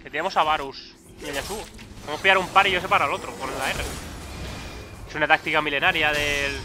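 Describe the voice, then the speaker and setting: Young male gaming YouTuber, Peninsular Spanish accent, high voice, game music clearly underneath. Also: fast. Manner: excitable, swearing, frequent loud outbursts. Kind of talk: live gameplay commentary.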